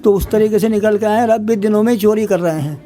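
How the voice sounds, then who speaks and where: A man's voice: high-pitched, fast talker, mellow, a little hiss or hum. A man, interviewed in the street, giving an urgent, rambling account. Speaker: riot victim interviewee.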